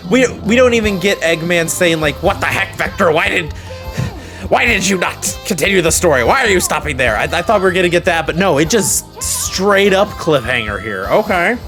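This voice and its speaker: A man's voice: sits high, animated, moderate pace, a bit bright, faint music behind. A man hosting a reaction video, giving casual, exclamatory running commentary with frequent interjections.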